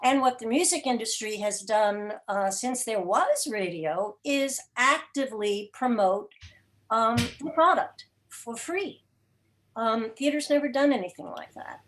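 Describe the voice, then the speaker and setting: A mature woman speaking reflectively as an interview guest on a video call, articulate, with thoughtful pauses mid-sentence. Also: a little high, lively intonation, fairly bright tone. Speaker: interview guest, theater podcast producer. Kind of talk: reflective conversational talk. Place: indoor room, video call.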